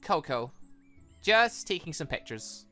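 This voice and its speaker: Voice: medium pitch, very animated, a little slow, a bit bright, faint music behind. A gamer reading aloud a mild, dry young woman student in a visual novel, hesitant and mildly reproachful.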